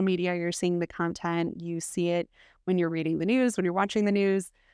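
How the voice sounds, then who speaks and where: A woman's fairly low, fairly even voice, with a dry, close sound, no echo and a quiet background. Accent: Chicago. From Chicago, US. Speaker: podcast host and academic. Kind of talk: casual solo podcast monologue.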